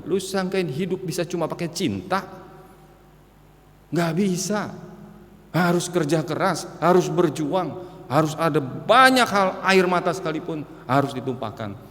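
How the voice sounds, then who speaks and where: A man preaching a conversational sermon, shifting between soft asides and loud emphatic peaks. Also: mid-range voice. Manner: colloquial, repetitive phrasing. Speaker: pastor. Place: church hall. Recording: reverberant hall.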